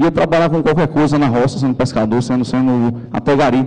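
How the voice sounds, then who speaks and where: Noticeable background noise runs behind the speech. A man talks at a very fast pace with fairly even intonation. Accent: Ceará. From Brazil, Ceará (Fortaleza). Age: 20s. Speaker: panelist, youth apprentice in tech. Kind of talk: panel talk, personal testimony. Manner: casual, colloquial.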